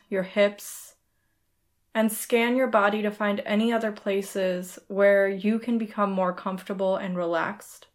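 A woman speaking as a podcast host and yoga nidra guide, giving soothing, measured instruction in the style of a guided meditation. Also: medium pitch.

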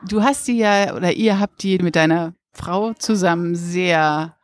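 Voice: mid-range voice, unhurried, no room sound, clean studio sound. Chatty, upbeat interviewer voice. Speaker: interviewer, reporter. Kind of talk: interview questions. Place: outdoors at a beach bar.

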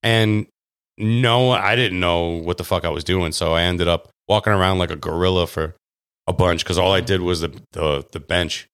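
A man co-hosting a podcast in casual banter, blunt, jokey and quick to swear. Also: low voice, fairly even intonation, a bit bright, smooth. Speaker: podcast co-host.

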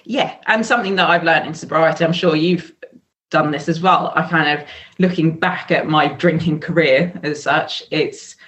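A woman's voice: sits low, normal speed, a bit bright. An English woman in her thirties, a sobriety coach, talking candidly as a podcast guest with frequent fillers. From England. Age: 30s. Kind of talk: casual podcast interview.

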